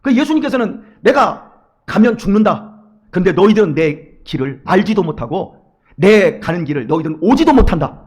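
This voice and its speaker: Animated high-pitched preaching man. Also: moderate pace, slightly rough. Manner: animated preaching, acting out quoted voices, swinging from loud to hushed. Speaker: pastor. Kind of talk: sermon. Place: church sanctuary.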